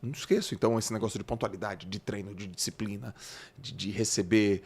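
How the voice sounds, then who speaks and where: A man's voice: on the low side, steady tone, fast, slight background noise. A middle-aged man, a guest speaker telling stories and acting out what people said. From Brazil. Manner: storytelling, acts out quotes. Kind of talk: casual chat.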